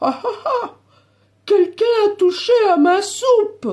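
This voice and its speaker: A woman uses a put-on character voice that is squeaky and extremely high-pitched. She speaks at a fairly slow pace. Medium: read story.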